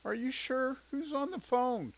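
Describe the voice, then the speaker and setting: A man's voice: unhurried, vocal fry, full character voice, rough recording. A man doing an eager thirteen-year-old boy. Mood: worried. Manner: eager, high voice.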